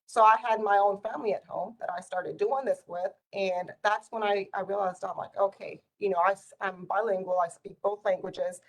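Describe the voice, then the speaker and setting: A middle-aged woman who grew up speaking Spanish talks in a relaxed, conversational storytelling style. She has a medium-pitched voice and retells exchanges by quoting them in an animated manner. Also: moderate pace, few pauses, poor audio. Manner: animated retelling with quoted dialogue. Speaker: community volunteer sharing life stories.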